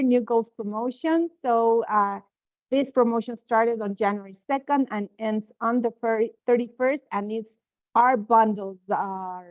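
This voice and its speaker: A woman hosting a live webinar, going through sales promotions quickly with frequent filler sounds over a video call. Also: on the high side, dry recording. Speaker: host presenting promotions. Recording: tinny, dry call audio.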